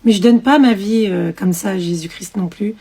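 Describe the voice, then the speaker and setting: Woman, young adult, emotional testimony, husky voice, quoted dialogue. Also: mid-range voice, normal speed, warm tone. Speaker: convert telling her testimony. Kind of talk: personal testimony.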